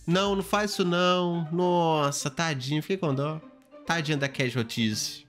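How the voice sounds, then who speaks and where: A man reacts to game clips in a slightly high voice. He is excitable and exclamatory, jumping from high shouts to low mutters. Soft music plays faintly underneath. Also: normal speed. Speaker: gaming YouTuber.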